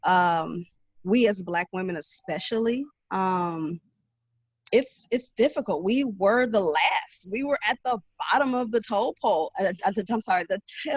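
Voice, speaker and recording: A woman's voice: medium pitch, measured pace, slightly rough, dry recording, muffled recording. An American woman talking as a panelist in a casual motivational chat, earnest and supportive. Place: at home on an online video panel, windows open.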